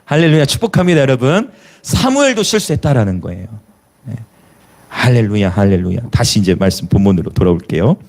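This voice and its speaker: Lively pastor. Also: male voice, medium pitch, fairly quick. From Jeolla, South Korea. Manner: lively preaching with rhetorical questions and hallelujahs; chuckles between remarks. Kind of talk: sermon.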